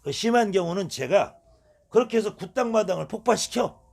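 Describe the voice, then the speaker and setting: A middle-aged man, a shaman, lecturing in a husky voice and firing off rhetorical questions. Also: high-pitched, animated, fairly quick, darkish tone.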